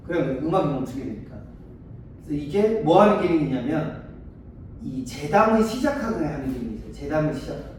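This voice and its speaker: Man, tutor, classroom lecture, high lively voice, mellow tone, roomy echo, mic far away. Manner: asks students frequent check-in questions; acts out short dialogues to explain. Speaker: Korean literature tutor. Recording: echoey room, mic far off, faint noise.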